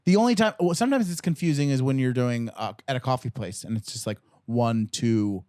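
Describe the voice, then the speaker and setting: A man's voice: mid-range voice, fairly quick, a little mellow, no room sound. A man co-hosting a comedy podcast, rambling in casual chat with many fillers. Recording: dry close podcast mic.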